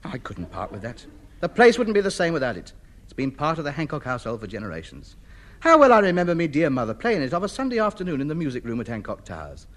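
A man's voice: fairly high pitch, wildly swooping pitch, fast talker. An actor playing a vain, self-important man who clings to faded grandeur, in a 1950s radio sitcom. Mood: grandiose. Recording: old radio broadcast.

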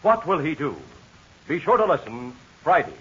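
A man with an American accent announcing in an old 1940s radio style, pitching enthusiastically to young listeners like a salesman. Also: very animated, moderate pace, sharp tone, slightly rough. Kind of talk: old-time 1940s radio announcer, serial outro and ad read. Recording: dull, lo-fi vintage radio transcription.

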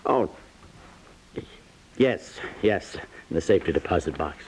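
Stubborn, flustered husband, swooping pitch. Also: male voice, lively intonation, a little slow, a little mellow, husky, exaggerated voice. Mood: weary, irritable. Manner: stammering, exasperated. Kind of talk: 1950s radio comedy acting. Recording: muffled vintage 1950s radio recording.

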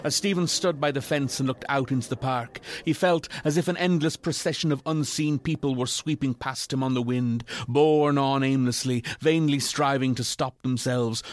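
Measured man narrating a ghost story. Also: mid-range voice, dry recording.

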